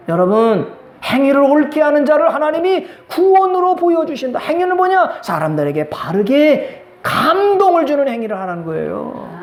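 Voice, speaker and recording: A pastor delivering a Sunday sermon, putting rhetorical questions to the congregation and acting out everyday quotes. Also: mid-range voice. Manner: acts out everyday quotes in changing voices. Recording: echoey church room.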